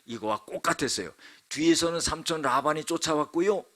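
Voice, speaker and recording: A male pastor tells a sermon story dramatically, acting out quotes and often turning aside to address the congregation. His voice is fairly high, brisk and bright, with a forceful edge.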